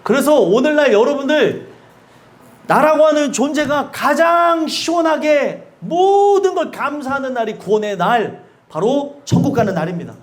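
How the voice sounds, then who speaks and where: A male pastor gives a sermon in a church sanctuary, his high voice swinging widely in pitch. He's animated and speaks at normal speed, repeatedly asking the congregation questions and laughing between his points.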